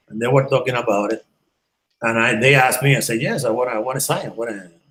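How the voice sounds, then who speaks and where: Speaking very fast with a Puerto Rican accent, a man keeps a medium pitch and fairly even intonation. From Puerto Rico. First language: Spanish. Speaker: former baseball pitcher. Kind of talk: interview. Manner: halting.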